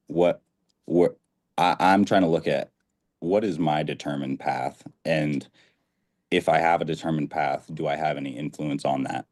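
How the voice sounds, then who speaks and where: A man's voice: a bass voice, darkish tone. A man in his twenties calling in to a talk show, earnest and a bit rambling, sometimes losing his train of thought. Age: 20s. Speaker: caller. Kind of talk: casual call-in conversation.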